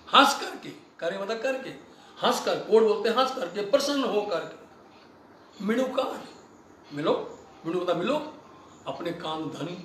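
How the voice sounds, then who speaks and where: A high-pitched male preacher speaks slowly and deliberately, chanting verses and then expounding on them with growing fervor. His voice carries from a distance across a reverberant hall. A faint hum of ambience sits underneath. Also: fairly bright tone. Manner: addresses the listeners repeatedly. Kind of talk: devotional sermon. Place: religious festival gathering. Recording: echoey hall, voice from far off the mic.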